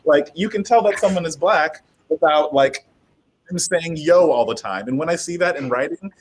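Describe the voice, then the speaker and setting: A man's voice: moderate pace, rough recording. A man speaking informally and emphatically as a panelist in a casual discussion. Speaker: panelist, audio drama creator. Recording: clear background noise with low rumble.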